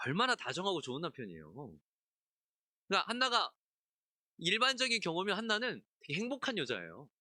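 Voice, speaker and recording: A man's voice: high voice, huge pitch swings, fairly quick, long pauses, bright, forceful tone, dry recording, studio quality. A man pastor giving an expository sermon at a midweek service, talking in a conversational way, asking the congregation questions and acting out characters in asides. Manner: acts out biblical characters in asides, laughs often.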